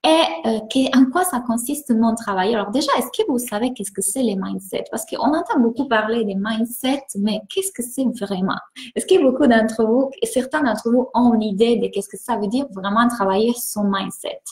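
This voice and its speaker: An enthusiastic woman with an Italian accent coaches and greets viewers on a live stream. Her voice sits fairly high, and the room around her echoes. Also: moderate pace. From Italy. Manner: enthusiastic, warm greetings, repeats words.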